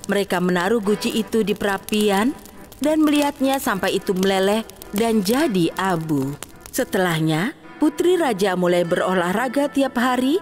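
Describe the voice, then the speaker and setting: A woman narrating a scripted children's fairy tale as the storyteller. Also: mid-range voice.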